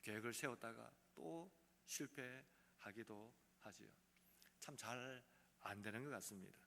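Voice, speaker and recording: A man preaching a sermon as pastor, earnest, swinging from loud emphasis to soft quiet passages. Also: medium pitch, unhurried, vocal fry, a little hiss or hum. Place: church sanctuary. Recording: long hall reverb.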